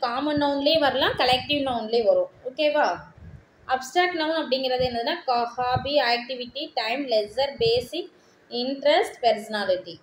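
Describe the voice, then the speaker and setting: A woman teacher with a Tamil accent goes through textbook answers, reading English sentences slowly and deliberately. Her voice sits a little high. The room is echoey, with a faint hiss underneath. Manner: mixes Tamil with English terms, reads English sentences slowly word by word.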